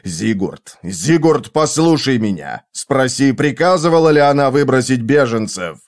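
A man's voice: medium pitch, lively intonation, unhurried, natural voice. A man playing a furious, desperate man in a story, harsh, commanding and emphatic. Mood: demanding. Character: furious, desperate, driven man hunting for answers.

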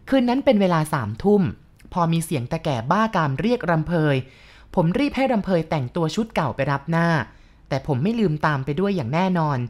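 A woman narrating a first-person ghost story in a steady, even reading voice. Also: low voice.

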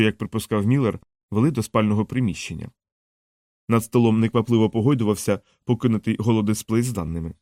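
A man narrates an audiobook in a measured, even reading at a middle pitch. The sound is dry and close, with no room around the voice. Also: no room sound.

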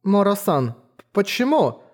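A woman's voice: mid-range voice, very animated, slow pace, darkish tone, pitched above the performer's own voice. Man putting on a timid young girl warrior. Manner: hesitant, apologetic, stammering. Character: timid young female apprentice warrior, shy.

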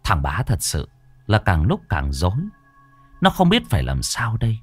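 Expressive male horror storyteller. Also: low-pitched, normal speed, slightly rough, no room sound, soft background music. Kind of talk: scripted horror narration.

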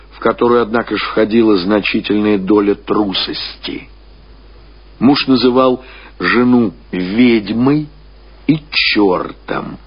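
A man reading classic fiction as a narrator, in measured, expressive storytelling with deliberate pauses. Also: mid-range voice, breathy edge. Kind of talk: scripted literary narration. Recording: dull, lo-fi radio-style recording.

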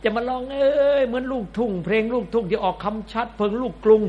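A man's voice: extremely high pitch, quick pace, lo-fi sound. A man, a Buddhist monk, giving a sermon in a blunt, colloquial, scolding way.

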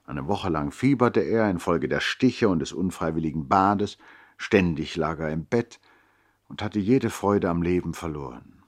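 In a 1960s radio play, an actor narrates as a nobleman recounting his brother's life. His low voice is grave, expressive, and deliberate, with a literary manner.

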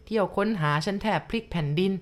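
A woman telling a first-person ghost story at a slow, confiding pace, speaking straight to the listener. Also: mid-range voice.

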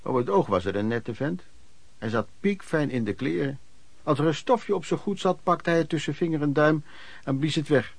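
A man's voice: on the high side, expressive, moderate pace, vocal fry, slightly rough, dry recording, exaggerated voice. An actor in a Dutch radio play playing a wry, plain-spoken pedlar recounting his wanderings. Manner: colloquial, matter-of-fact storytelling. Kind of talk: dramatised first-person narration.

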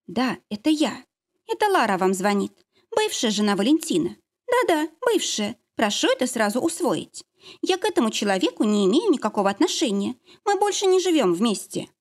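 Strict haughty ex-wife voiced by a woman, high-pitched, insistent, lively swings. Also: brisk. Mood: cold, insistent. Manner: strict, pushy, sharp. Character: curt, cold, haughty ex-wife, adult woman.

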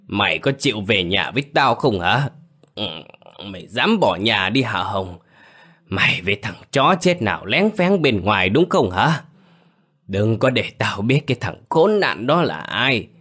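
A man's voice: fairly low pitch, lively intonation, measured pace, sharp tone, breathy edge, heavily acted. A man voicing a furious drunken husband who roars threats in a slurred voice.

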